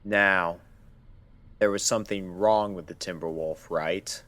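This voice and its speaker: A man plays a stern male doctor pony in a dramatic audio story. His voice is low and clinical, and he presses his questions with flat, impatient insistence. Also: a little slow.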